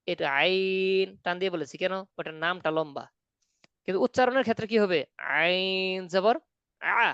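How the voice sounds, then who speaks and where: A man's voice: high-pitched, fairly bright tone, clean tone, no room sound, dull audio. A man teaching Quran recitation in an online class, patiently explaining step by step and asking if students follow.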